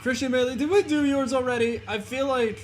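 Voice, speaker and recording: A man's voice: very high-pitched, steady tone, brisk, slight background noise. A young man livestreaming while he draws viewers' characters, chatting loosely with his chat. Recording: music playing behind.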